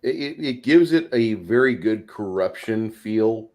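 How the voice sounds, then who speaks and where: Lowish voiced guy talking tabletop games, swears a lot, blunt, vivid descriptions. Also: animated, a little slow, darkish tone. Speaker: panelist on a role-playing show. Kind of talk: casual group chat about tabletop games.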